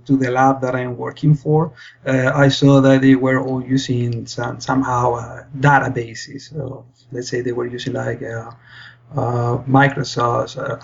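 A man's voice: medium pitch, creaky, breathy edge, lo-fi sound. A young man from Spain, a PhD student, explaining his work earnestly as a podcast guest. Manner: earnest, explains with many fillers and restarts. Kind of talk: interview answers.

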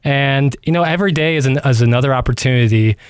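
A man's voice: medium pitch, fast talker, clean tone, dry recording. Male, radio producer and co-host, casual banter, self-deprecating, tongue-in-cheek earnestness, dry close mic. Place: radio studio. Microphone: close studio microphone.

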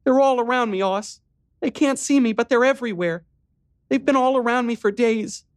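A woman's voice: on the high side, normal speed, no echo, studio quality, voice pushed up, lightly acted. A man voicing a terrified young woman who whimpers and sobs hysterically.

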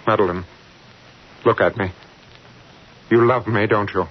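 An actor playing a scheming, softly persuasive doctor and husband in an old radio drama, hesitant and measured. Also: male voice, lowish voice, fairly even intonation, a little hiss or hum, natural voice. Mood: earnest pleading. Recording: dull old radio recording with music.

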